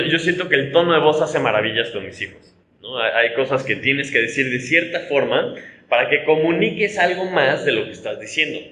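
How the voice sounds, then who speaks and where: A man's voice: medium pitch, sharp tone, reverberant, low-quality recording. A man from Mexico with a Mexican Spanish accent, a pastor teaching a conversational Bible study, explaining with rhetorical tags and frequent restarts.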